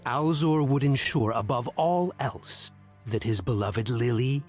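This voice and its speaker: A man narrating a dark fantasy game tale as a grave storyteller, in a solemn, dramatic, measured manner. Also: mid-range voice, animated, faint music behind, lightly acted.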